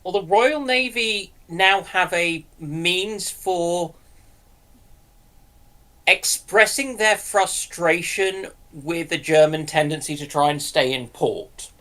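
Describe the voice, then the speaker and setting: A man with a voice a little higher than average chats as a co-host. He takes his time, speaking slowly and informally. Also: a bit bright. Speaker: co-host in a discussion. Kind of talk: casual chat.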